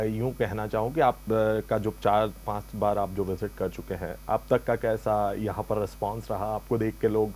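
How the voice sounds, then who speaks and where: A man's voice: on the low side, a little mellow. A man interviewing for a news channel, asking long, polite questions with frequent hesitation fillers. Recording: faint mains hum in background.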